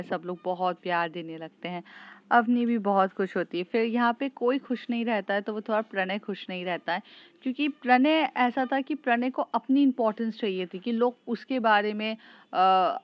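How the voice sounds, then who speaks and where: A woman's voice: mid-range voice, no room sound. Woman storyteller, chatty casual retelling, fillers, muffled lo-fi sound. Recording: muffled lo-fi recording.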